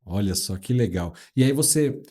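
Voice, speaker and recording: A man's voice: fairly low pitch, expressive, moderate pace, dark tone. A man hosting an interview podcast, enthusiastically affirming his guest and leading him with questions. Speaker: podcast host.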